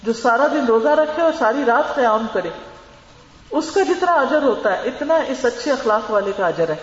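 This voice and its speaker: A woman's voice: on the high side, expressive. A woman giving an earnest religious lecture, advising her listeners and mixing in English words. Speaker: religious teacher. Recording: echoey hall, dull lo-fi sound.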